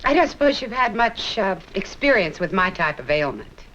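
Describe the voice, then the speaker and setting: A woman's voice: medium pitch, very animated, moderate pace, a bit bright, a little hiss or hum. An actress playing a skeptical, tactless female patient with a hesitant yet pointed manner in a 1970s film. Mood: doubtful. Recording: muffled 1970s film soundtrack.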